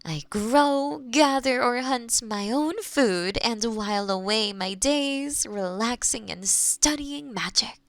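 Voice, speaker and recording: A woman playing a kind, playful young witch who lives alone in the forest, speaking gently and teasingly to the listener in a roleplay audio drama. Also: on the high side, no echo. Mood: warm, inviting. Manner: gentle, unhurried, teasing, with soft chuckles.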